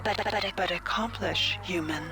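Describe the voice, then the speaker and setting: A woman's voice: mid-range voice, normal speed, gravelly, over loud music. An actress playing a cold, megalomaniac female ship computer whose speech stutters and glitches through a distorted robotic filter, imperious and contemptuous. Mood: commanding. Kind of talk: video game voice acting.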